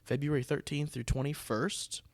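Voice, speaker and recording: A man with an American accent hosts a casual podcast conversation. His mid-pitched voice wanders through restarted sentences. The sound is dry, with very little room in it. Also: steady tone, moderate pace, no echo. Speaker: podcast host and theatre producer.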